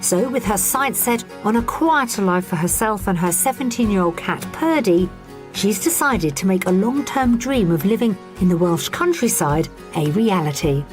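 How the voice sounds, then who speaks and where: A woman's voice: mid-range voice, lively intonation. Woman narrating over background music. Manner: measured, informative voice-over. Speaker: presenter. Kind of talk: scripted TV narration.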